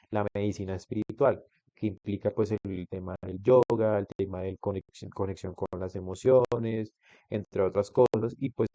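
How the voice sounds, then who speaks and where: A low, mellow-voiced man lecturing in an online class, explaining step by step and stopping to quiz a student. The sound is dry and dull, like a lo-fi call recording. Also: no room sound. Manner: explanatory, with restarts and questions to the student. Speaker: instructor.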